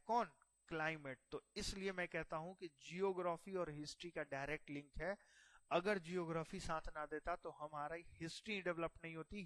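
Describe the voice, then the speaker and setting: A man's voice: high voice, fairly bright tone, no room sound. A man teaching a history exam-prep lecture, explaining step by step and asking himself rhetorical questions.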